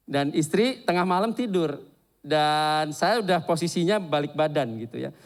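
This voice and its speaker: A man with a fairly high-pitched voice preaches a sermon, animatedly sharing a candid, confessional story from his own life.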